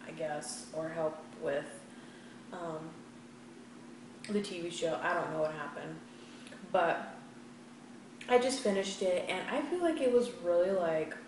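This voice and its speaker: A woman's voice: on the low side, darkish tone. Echoey, distant American woman chatting while eating. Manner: chewing while talking; rambling, hesitant. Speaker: vlogger hosting an eat-with-me video. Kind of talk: casual chat to viewers. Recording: very echoey room, distant mic, faint noise.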